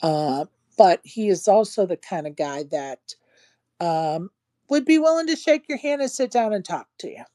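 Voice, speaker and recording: A woman's voice: medium pitch, lively intonation, normal speed, mellow, no room sound, studio quality. A woman chatting casually and loosely, with conversational filler phrases. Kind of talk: casual chat in a live online audio room.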